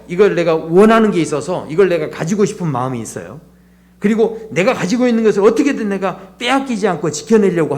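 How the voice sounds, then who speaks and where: A male pastor preaching a sermon in a church, animated, dropping to a low hushed voice to act out prayers. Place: church sanctuary.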